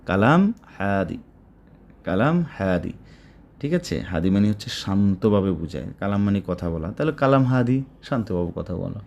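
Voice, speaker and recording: A man with a Bangladeshi Bengali accent teaching spoken Arabic, slowly repeating phrases and explaining each word. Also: lowish voice, big pitch swings, vocal fry, darkish tone, dull audio. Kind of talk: spoken language lesson.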